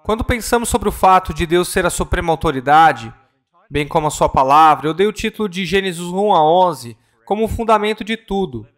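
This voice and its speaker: This man's high-pitched, expressive voice carries a ministry talk he is interpreting at a church conference. He stays earnest and measured, though he sometimes corrects himself partway through a word.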